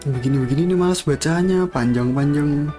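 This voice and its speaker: Streamer chattering over gameplay. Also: male voice, a little high, fast, dark tone, faint music behind. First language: Indonesian. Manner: offhand, joking running commentary. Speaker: game streamer. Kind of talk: casual live-stream chatter.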